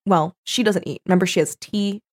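A woman with a lowish voice co-hosts a chatty podcast. She reads passages from a book aloud and gives them playful emphasis. She talks into a studio mic. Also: brisk. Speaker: podcast co-host. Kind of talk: casual chat reading from a book. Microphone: studio microphone.

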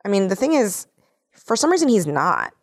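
A woman co-hosting a podcast, recapping a movie in blunt, animated casual chat. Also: medium pitch, no echo, studio quality. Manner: blunt, animated, quick to judge. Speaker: podcast co-host.

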